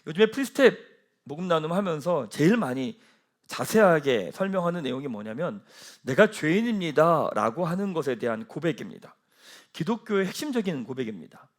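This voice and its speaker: High, lively-voiced male pastor preaching. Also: a little fast. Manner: preaching with rhetorical questions and rising emphasis. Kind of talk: sermon.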